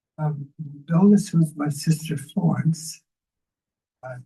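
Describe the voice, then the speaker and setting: With an American accent, a man at a fairly high pitch and a dark, mellow tone speaks with big swings in loudness and long, frequent pauses. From Southern California, Coronado. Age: 80s+. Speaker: elder sharing family history. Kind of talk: interview. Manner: halting.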